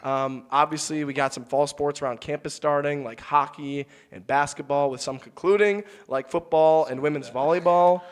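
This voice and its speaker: A young man hosts a college sports podcast with easygoing energy. His voice sits a little high for a man but is roughened by a lingering cold, giving it a lower, tired edge. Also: normal speed, few pauses. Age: young adult. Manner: upbeat, loose banter. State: deeper voice from a cold. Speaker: host.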